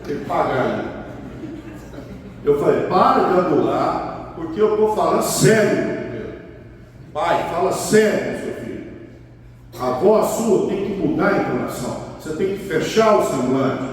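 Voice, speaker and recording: Brazilian male pastor, high voice, emphatic sermon with repeated phrases, roomy reverb from a distant mic. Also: a little mellow, slight background noise. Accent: Brazilian Portuguese. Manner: emphatic, repeats key phrases, acts out a father's stern talk. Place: large church hall. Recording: echoey hall, voice from far off.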